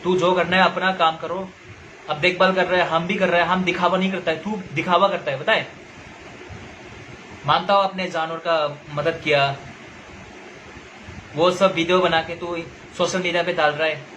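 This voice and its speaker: A man's voice: sits high, fairly even intonation, moderate pace, long pauses, pushed and bright, slight background noise, rough recording. A young man from Nagaland, ranting angrily and directly at someone, lecturing and repeating his points. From Nagaland, India. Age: young adult. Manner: confrontational, lecturing, repeats himself. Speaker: social media commentator. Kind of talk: angry direct-to-camera rant.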